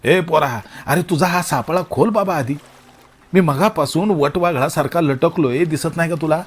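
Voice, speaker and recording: A man's voice: fairly high pitch, moderate pace, breathy edge, voice pushed up. Man doing an exasperated grumbling father. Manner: irritated, sarcastic shouting. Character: exasperated middle-aged father, trapped and grumbling.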